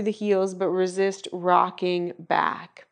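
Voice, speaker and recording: A woman talks at a fairly slow pace in an ordinary speaking voice. The background is quiet. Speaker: yoga instructor. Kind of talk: guided movement and breathwork class, instructing through poses. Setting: recorded practice session, no audience. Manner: brisk, directive, encouraging cues timed to breath; calm, soothing, even-paced.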